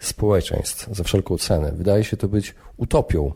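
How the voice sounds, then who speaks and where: Against a silent background in a very clean recording, a man's voice carries a dark, mellow tone. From Poland, Białystok. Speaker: podcast host. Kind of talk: solo monologue podcast.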